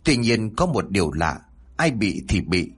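A man with a Southern Vietnamese accent narrating a village horror story in an expressive storytelling manner. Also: on the low side, measured pace, husky.

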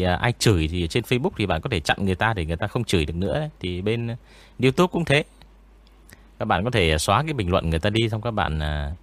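A man with a very low, eerie voice talks casually in an interview. His delivery is relaxed and rambling, with frequent pauses. The recording is dry and close, with almost no room sound. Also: no room sound. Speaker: ghost story narrator and studio owner.

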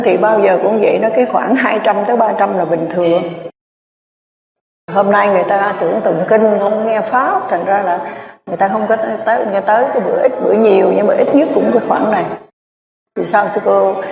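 A Buddhist nun, telling a story in a rambling sermon full of filler words. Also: female voice, mid-range voice, creaky, a little mellow, highs cut off. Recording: echoey hall, distant mic.

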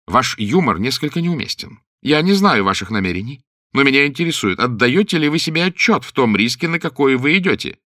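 A man's voice: mid-range voice, sing-song, brisk, no room sound, studio quality, pitched above the performer's own voice. Man doing a furious haughty lord. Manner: indignant, shouting, imperious. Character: enraged haughty English nobleman.

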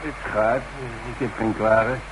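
An actor playing a proud, grumpy old retired tradesman in a radio drama, speaking gruffly and colloquially, with some hesitation. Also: on the low side, steady tone, unhurried, natural voice. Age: older. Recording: noisy old radio play recording.

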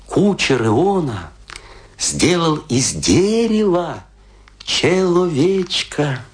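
Slow, tipsy, swooping philosopher. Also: male voice, fairly high pitch. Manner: musing, self-satisfied, asking and answering his own questions. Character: tipsy, rambling Russian provincial philosophizing over drinks. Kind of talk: theatrical radio-play monologue.

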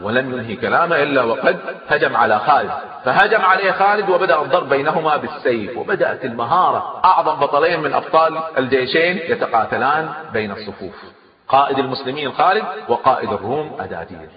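Fast-talking male storyteller in an echoing hall. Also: medium pitch. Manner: lively, emphatic, stops to comment aside. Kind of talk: animated historical storytelling. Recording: echoey hall, dull lo-fi.

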